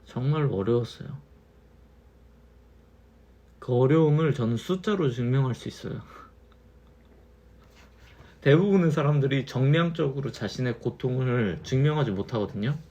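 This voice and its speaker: A man in his thirties, a little tipsy from wine, musing slowly in a casual monologue and repeating his phrases. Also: medium pitch, expressive, mellow, muffled recording. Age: 30s. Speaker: channel host.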